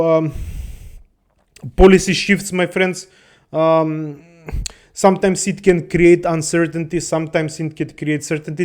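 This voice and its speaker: A man with a noticeably high voice talks off the cuff to his audience. His delivery is rambling and profane, broken up by chuckles and a constant "my friends.". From Balkans. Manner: rambling, profane, laughs often, keeps saying "my friends". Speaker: host. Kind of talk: casual monologue to viewers.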